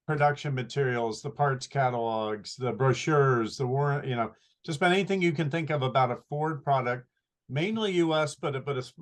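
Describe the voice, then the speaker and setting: Measured man explaining as a guest. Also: medium pitch. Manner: informative, measured, detailed explanations. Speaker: guest, company archivist. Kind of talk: interview answers.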